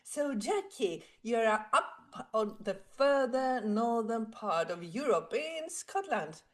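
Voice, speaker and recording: A woman hosting a podcast interview, greeting her guest and asking questions in a warm, welcoming way. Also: on the high side, expressive, slow. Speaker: podcast host.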